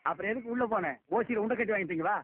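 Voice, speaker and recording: A man in a film comedy scene, scolding and mocking others with quick insults. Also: high voice, breathy edge. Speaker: comic film actor. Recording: tinny lo-fi film audio.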